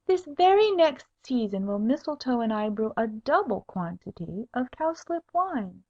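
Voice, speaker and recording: A woman's voice: fairly high pitch, very animated, normal speed, darkish tone, pitched above the performer's own voice. A woman voicing a sly, pert young noblewoman, a coaxing daughter in a humorous storybook tale. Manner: girlish, coaxing, haughty when teased. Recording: dull lo-fi audiobook recording.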